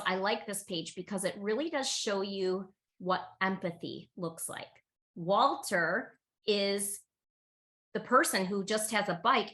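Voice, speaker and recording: A woman reading a picture book aloud to children in an expressive, teacherly way, speaking directly to her listeners. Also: medium pitch. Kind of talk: animated children's read-aloud.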